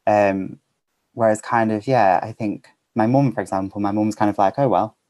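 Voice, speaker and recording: A man's voice: lowish voice, moderate pace, dry recording. A man as a podcast guest, talking casually and animatedly, filling his speech with "like" and "kind of.". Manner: animated storyteller, lots of fillers like "like" and "kind of". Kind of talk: casual interview chat.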